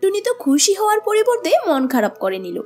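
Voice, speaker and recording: Female narrator: high, lively scripted storytelling for children. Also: brisk, faint music behind.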